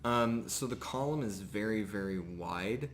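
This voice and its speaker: A man narrating a live tabletop roleplaying game as game master, often pausing mid-sentence as he describes things. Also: lowish voice. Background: music.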